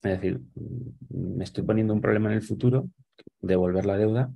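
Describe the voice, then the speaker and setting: Over a webcam in a small room at home, a deep, gravelly man chats casually as a guest on a video call. He talks briskly, and the highs are cut off. He is thoughtful, explaining with lots of fillers and restarts.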